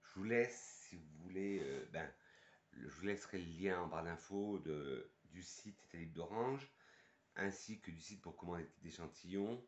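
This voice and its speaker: A man's voice: low voice, moderate pace. A man from France with a French accent, casually reviewing perfumes and thinking aloud with fillers and restarts. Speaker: perfume youtuber and sales advisor.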